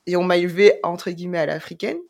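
A young woman hosts a casual podcast in a lowish voice. She tells stories with energy. She acts out the back-and-forth of conversations as she goes. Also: fast, creaky. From Brussels, Belgium. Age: young adult. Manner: lively storytelling, acting out exchanges. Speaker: podcast host.

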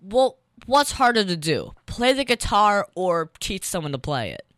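A show host with a bright, clear voice and very animated pitch. The delivery is showy and presenter-like, asking questions of a guest. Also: measured pace, no room sound, studio quality. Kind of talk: show hosting, interview.

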